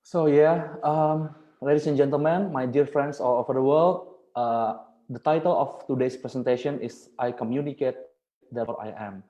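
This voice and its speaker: A man's voice: medium pitch, normal speed, lo-fi sound. A young man from Indonesia, a native Indonesian speaker, giving an earnest, formal webinar talk in English over a video call, repeating phrases for emphasis. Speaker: guest speaker. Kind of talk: webinar presentation. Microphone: computer mic on video call.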